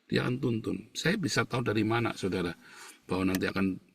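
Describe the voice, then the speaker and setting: Gravelly-voiced man preaching a sermon. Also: fairly low pitch, quick pace, no room sound, distant mic. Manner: emphatic preaching, swinging from loud scolding to soft hushed tones. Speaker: pastor.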